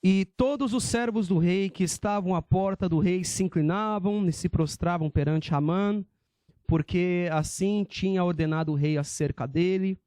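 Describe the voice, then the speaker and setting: A male preacher with a fairly high, warm and mellow voice delivers an emphatic sermon. He speaks rhetorically and calls out to his brethren, and the recording is dry and close. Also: normal speed, no room sound.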